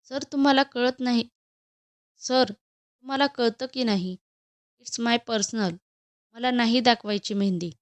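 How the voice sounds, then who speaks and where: A woman's voice: on the high side, unhurried, pauses often, no echo, close to an everyday voice. A woman voicing a nervous, flustered young female employee in a storybook, speaking hesitantly and stammering.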